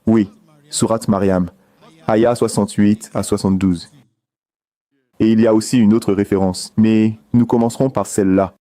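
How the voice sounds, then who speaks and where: A man's voice: lowish voice, steady tone, moderate pace, warm tone, no room sound. A man asking a question from the audience of a public debate, polite but persistent, citing references.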